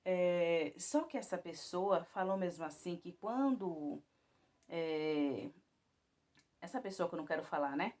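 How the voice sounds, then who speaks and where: A woman telling a personal Christian testimony to viewers in a rambling way, with many restarts and tag questions, her voice climbing high and loud when she recounts moments of alarm. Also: measured pace.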